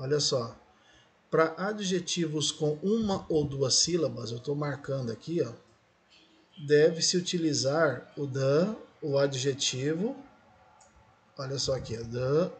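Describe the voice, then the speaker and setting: A fairly high-voiced Brazilian man teaching English grammar. He talks patiently and keeps checking whether his students follow. His tone is that of a recorded classroom explanation. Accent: Brazilian Portuguese. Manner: patient, repeats "certo?" and "ó" to check understanding.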